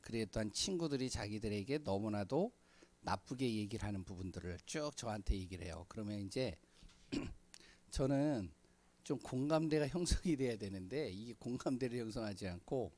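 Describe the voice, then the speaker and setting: A middle-aged man preaching a sermon in a church, speaking conversationally with many fillers and frequent throat clearing. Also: lowish voice, expressive, normal speed, darkish tone. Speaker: pastor. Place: church sanctuary.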